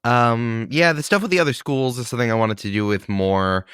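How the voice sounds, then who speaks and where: A man's voice: medium pitch, fairly quick, a bit bright, clean tone, no echo, clean studio sound. A man in his thirties, a podcast host and game master, talking in a reflective, thinking-aloud way in casual chat. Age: 30s.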